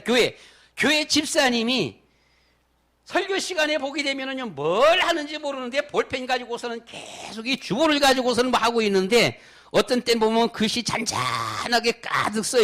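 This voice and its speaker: A middle-aged male pastor delivers a sermon in an emphatic, conversational way, stacking up lists and repeating his points. His voice sits high for a man. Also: fairly bright tone. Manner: emphatic, repetitive, conversational preaching.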